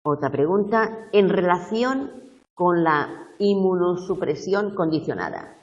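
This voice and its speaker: A woman university tutor going over exam questions slowly, checking whether her students follow. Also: fairly low pitch, animated, a little mellow, recorded from a distance, muffled recording.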